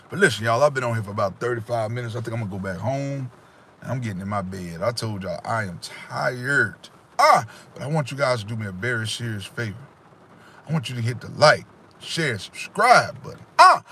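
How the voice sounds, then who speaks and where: Husky man preaching to his viewers. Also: a little high, a bit bright. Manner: preachy and emphatic, addressing viewers directly. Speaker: livestream host. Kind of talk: casual motivational livestream talk. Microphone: phone or webcam in front of him.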